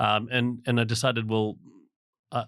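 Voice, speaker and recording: The recording is very clean and the background silent. A man does the talking. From Canada, then Perth from teens. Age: 50s. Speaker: leadership coach. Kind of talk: podcast interview. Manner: hesitant, many fillers.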